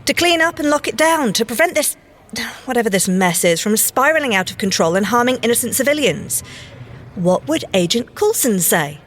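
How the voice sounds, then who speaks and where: A woman playing a brisk, by-the-book young secret agent and scientist in an audio drama, crisp and official with mild exasperation. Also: a little high, expressive, fairly bright tone. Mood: earnest. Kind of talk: audio drama field report.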